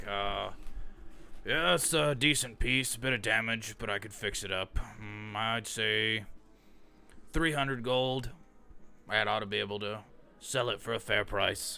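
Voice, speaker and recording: A man uses a raspy put-on character voice at a medium pitch with ordinary pitch variation, a moderate pace and long, frequent pauses. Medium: actual play. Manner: measured, haggling, plainspoken.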